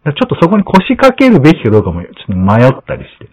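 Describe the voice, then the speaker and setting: Animated storytelling man, husky lo-fi voice. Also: fairly high pitch, rapid-fire. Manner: animated storytelling, acts out quoted lines. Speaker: podcast host. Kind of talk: casual chat. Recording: dull lo-fi sound.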